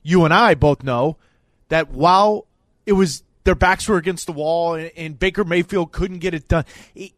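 A man from Minnesota co-hosting sports talk radio, joking and energetic as he breaks down a game. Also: fairly high pitch, normal speed, no room sound. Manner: energetic, jokey, swings between loud and soft. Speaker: sports radio co-host, former player analyst.

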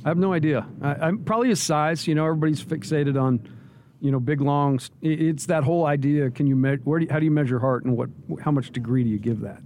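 A man who used to coach, giving relaxed basketball analysis and joking on a postgame radio show. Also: fairly high pitch, fast talker, slight background noise.

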